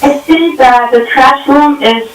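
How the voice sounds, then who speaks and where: A woman commissioner calling in to a public meeting, asking slow, halting questions over distant phone audio that keeps breaking up. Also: high voice. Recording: distant roomy phone line with hiss.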